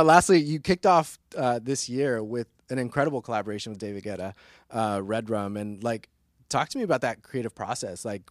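A man's voice: lowish voice, no echo, clean studio sound. A man hosting a music interview, upbeat and full of praise for his guest. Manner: upbeat, praising, quick questions. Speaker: interview host. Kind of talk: casual interview.

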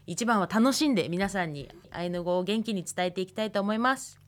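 Young woman lecturer, patient and careful. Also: mid-range voice. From Hokkaido, Japan. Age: 20s. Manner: patient, careful explanations with slow model pronunciations. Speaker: language lecturer. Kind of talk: radio language lesson.

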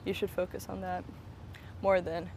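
A woman's voice: lowish voice, flat delivery, moderate pace, gravelly, darkish tone. A young woman from Spain, a photographer and director, talking in a casual walking interview with lots of "like" fillers and restarts. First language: Russian. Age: young adult. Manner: chatty, many "like" fillers and restarts. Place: outdoors on a college campus near traffic. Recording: outdoor street noise behind the voice.

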